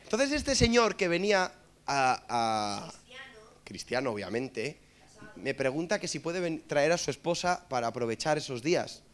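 A man with a Madrid accent preaching through a funny story, animated and joking, asking listeners for amens. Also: fairly high pitch, normal speed. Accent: Madrid Spanish. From Spain. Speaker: preacher and musician. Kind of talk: humorous storytelling sermon.

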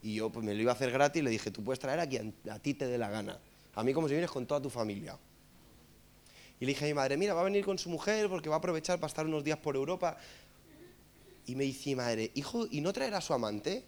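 A man with a Madrid accent preaching through a funny story, animated and joking, asking listeners for amens. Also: medium pitch, quick pace. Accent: Madrid Spanish. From Spain. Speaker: preacher and musician. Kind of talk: humorous storytelling sermon.

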